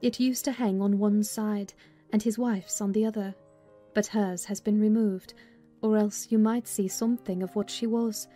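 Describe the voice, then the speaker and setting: A woman playing a plain-spoken housekeeper, recounting family history in a measured dramatized literary reading. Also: medium pitch, steady tone, warm tone, close to an everyday voice. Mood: measured, reflective. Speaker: audiobook narrator. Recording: music bed behind voice.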